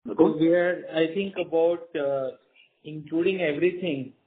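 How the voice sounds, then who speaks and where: Halting Indian executive over a phone line. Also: male voice, a little high. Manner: hesitant, halting delivery. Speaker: company executive. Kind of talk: answering questions on an earnings call. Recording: narrow muffled phone line.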